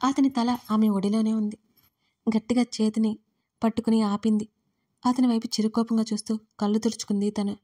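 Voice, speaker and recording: A woman narrating a romance audio story in an even, steady reading voice. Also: fairly high pitch, fairly quick.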